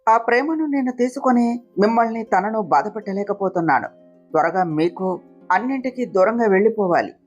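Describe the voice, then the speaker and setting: A woman voicing a self-sacrificing young wife, speaking softly and pleadingly, in a read-aloud family story. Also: medium pitch, lively intonation, a little fast, breathy edge, muffled recording, faint music behind. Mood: sad tender.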